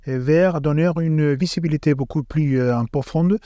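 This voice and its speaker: A man with a foreign, Spanish accent in French, a native Spanish speaker, hosting a conversational podcast interview and haltingly searching for words. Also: on the high side, mellow, no echo, dull audio. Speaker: podcast host.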